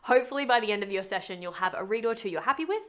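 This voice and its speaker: A woman's voice: mid-range voice, animated, racing. A woman narrating a scripted tutorial in a chatty, playful way with wry asides. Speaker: voice actor giving a tutorial.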